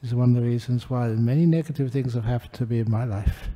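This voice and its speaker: Gentle older monk with a very dark voice. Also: male voice, mid-range voice. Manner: gentle, humorous, unhurried. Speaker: Buddhist monk giving a dharma talk. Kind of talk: relaxed dharma talk with anecdotes.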